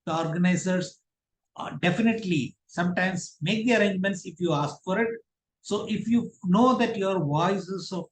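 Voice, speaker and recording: A man with an Indian accent speaking as a public speaking trainer in an online workshop, explaining and instructing with emphatic stresses. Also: a little high. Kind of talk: online workshop talk with question and answer. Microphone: online video call. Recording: roomy, echoey online call sound.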